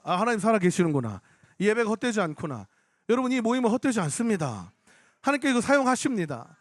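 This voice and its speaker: A young adult man, a pastor, telling a story in a sermon at an outdoor prayer rally, animated, acting out what others said. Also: sits high, no echo, clean studio sound. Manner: animated storytelling, acts out other people's lines. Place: outdoor public square.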